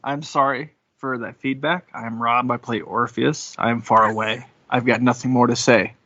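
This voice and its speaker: Bright-voiced, teasing man on slightly lo-fi audio. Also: medium pitch, steady tone, moderate pace, no echo. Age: 30s. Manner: cocky, teasing. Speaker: podcast player. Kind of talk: casual banter.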